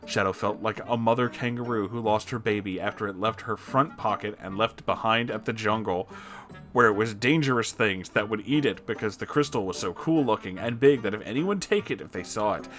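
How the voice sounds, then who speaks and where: A man's voice: on the low side, fairly quick, a bit bright. A man reading a story aloud as a comedic host, theatrical and emphatic, with music behind him. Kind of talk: comedic dramatic story narration.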